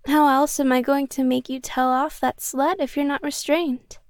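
Possessive cat girl, voiced by a woman; high, slow, close whispers, dry sound. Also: steady tone, no room sound. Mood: sweetly menacing. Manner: soft whispering, close and intimate. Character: possessive young cat girl, sweetly obsessive. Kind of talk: ASMR roleplay.

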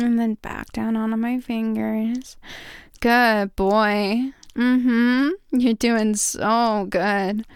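A woman performing intimate adult roleplay as a dominant, affectionate lover, murmuring drawn-out praise and sometimes slipping toward a whisper. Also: on the high side, a little mellow, clean tone, dry recording. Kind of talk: intimate erotic audio roleplay addressed to the listener.

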